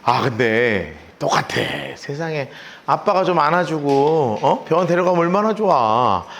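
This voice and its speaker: Animated, lively-pitched male preacher. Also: normal speed. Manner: animated storytelling, acts out characters. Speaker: pastor. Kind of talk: sermon.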